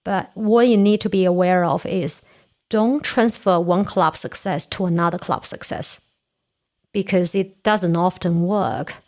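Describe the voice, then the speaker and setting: A woman's voice: on the low side, unhurried, darkish tone. A woman in her forties from China, whose first language is Korean, speaking earnestly as an interview guest. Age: 40s. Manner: earnest, explains step by step. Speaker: podcast guest, Toastmasters area director. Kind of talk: casual interview chat.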